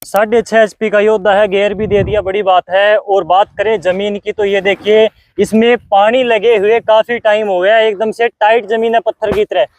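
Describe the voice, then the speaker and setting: A man's voice: sits high, fairly even intonation, normal speed, a little hiss or hum, low-quality recording. A man co-presenting a hard-sell demonstration outdoors, prompting and urging. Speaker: co-presenter questioning the seller. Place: outdoors in a farm field.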